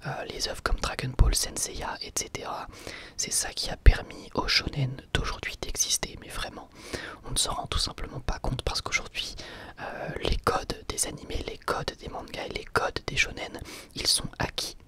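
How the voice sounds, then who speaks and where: A young adult host, whispering casual, hesitant answers to viewer questions into a close microphone for an ASMR video. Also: moderate pace. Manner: soft steady whisper, casual and hesitant with many fillers.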